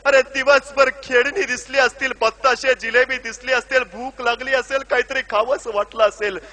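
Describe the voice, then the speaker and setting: A man's voice: very high-pitched, fairly even intonation, moderate pace, sharp tone. A male orator voicing a poor, loving village mother in a told story, speaking tenderly. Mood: moved.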